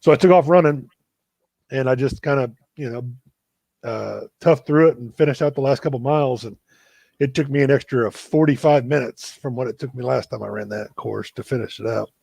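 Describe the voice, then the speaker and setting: A man hosting a live video chat, telling a story in a relaxed, self-deprecating way. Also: medium pitch, normal speed, gravelly, slightly rough, no room sound. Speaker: running coach and show host.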